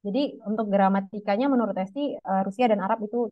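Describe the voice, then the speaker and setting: A woman's voice: medium pitch, fast talker, dry recording. Young woman guest chatting away, casual, lo-fi dry sound. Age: young adult. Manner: chatty, refers to herself by name, calls host "Bang". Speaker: interview guest. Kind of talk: casual interview chat.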